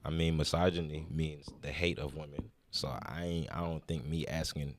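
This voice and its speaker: A man with a deep voice, a podcast guest talking in a laid-back, slangy way. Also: fairly even intonation, normal speed. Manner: laid-back, slangy, fills with "you know what I'm saying". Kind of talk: casual chat.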